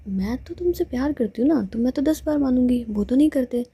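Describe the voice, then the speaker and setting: A woman's voice: sits high, expressive, brisk, warm tone, husky, heavily acted. A woman voicing a curious young woman in love who keeps pestering her girlfriend with questions in a told love story. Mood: pleading. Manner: pleading, pestering.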